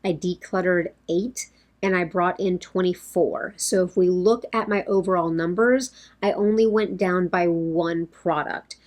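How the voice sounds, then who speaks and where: Casting: woman, 30s, lower pitch, a bit hoarse, chatty rambling vlogger at her desk. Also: steady tone, a little slow, a little mellow. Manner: rambling, talks with her hands. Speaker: beauty vlogger. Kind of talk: casual chatty talk to camera. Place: home makeup room, indoors.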